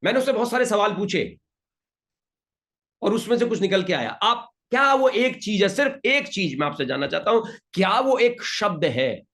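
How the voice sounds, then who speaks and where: A male motivational trainer runs an interactive session in a high-pitched voice. He coaxes his listeners with repeated pleas and reads out their answers with brisk praise. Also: big pitch swings, a bit bright. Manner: emphatic, coaxing, repeats pleas to the audience.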